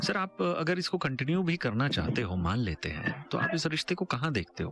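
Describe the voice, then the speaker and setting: The speaker's pitch swings very widely while the loudness stays very even, at a moderate pace over noticeable background noise. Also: man, fairly high pitch for a man. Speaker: radio host. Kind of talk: radio call-in advice show.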